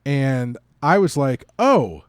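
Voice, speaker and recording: Male podcast host, mid-range pitch, wry and conversational, rambling storyteller, dry close sound. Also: very animated, slow, clean tone, dry recording. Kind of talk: casual conversational chat.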